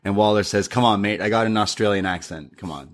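A young man with a slightly low voice recaps a wrestling show in a relaxed, chatty way. He acts out the wrestlers' lines as he tells them, with plenty of laughs and fillers. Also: fast talker. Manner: lively recap with acted-out quotes. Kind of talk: casual recap chat.

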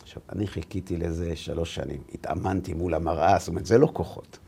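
A man, a rabbi and lecturer, telling stories in a conversation and acting out the dialogue with lively voices. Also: low voice, vocal fry, breathy edge. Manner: animated, acts out dialogue. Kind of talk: storytelling in a conversation.

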